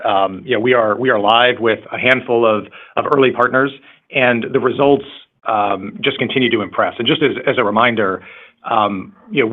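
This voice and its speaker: A man, a company executive, answering questions on an earnings call in a halting way, repeating words. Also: medium pitch. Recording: muffled narrow-band conference call line.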